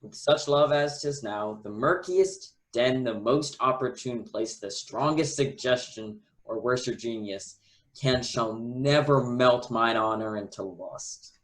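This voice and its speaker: A man's voice: mid-range voice, slow pace, fairly bright tone, low-quality recording. A man playing an earnest, honorable young prince in love, reading formal Shakespearean verse as a radio play.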